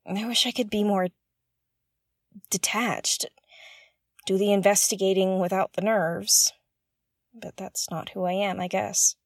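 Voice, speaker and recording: A woman's voice: mid-range voice, fairly even intonation, unhurried, pauses often, no echo, clean studio sound. A woman playing a nervous, curious young investigator on a derelict spaceship in an audio drama, talking hesitantly and earnestly. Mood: anxious, earnest. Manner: hesitant, self-correcting, chatty and earnest. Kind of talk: audio drama, confessional log to listeners.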